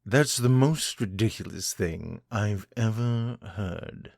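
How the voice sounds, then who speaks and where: An actor playing a cruel, centuries-old vampire lord who taunts his captive, speaking in a husky, condescending way. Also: lowish voice, darkish tone, no echo, studio quality, exaggerated voice. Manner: taunting, condescending, slow and deliberate. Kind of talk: audio drama, one-sided dialogue.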